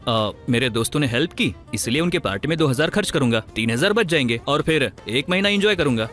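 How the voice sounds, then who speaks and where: A man in his twenties playing a brash, careless young runaway lover in a dubbed film, talking in a quick offhand way. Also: medium pitch, animated, fairly bright tone, faint music behind, lightly acted. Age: 20s. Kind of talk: Hindi film dub.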